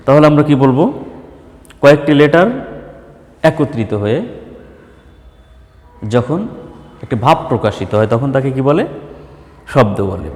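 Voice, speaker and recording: A Bangladeshi man teaching a primary school lesson, asking questions and answering them himself, sometimes drawing out examples slowly. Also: medium pitch, animated, a little mellow, big-room sound. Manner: slow, drawn-out dictation of examples. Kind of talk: online class lesson.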